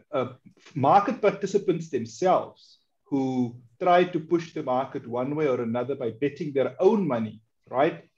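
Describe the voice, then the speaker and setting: A man in a casual group discussion on a video call, talking in a measured way with many fillers. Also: mid-range voice, a little mellow. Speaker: meetup participant. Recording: dull lo-fi video call audio.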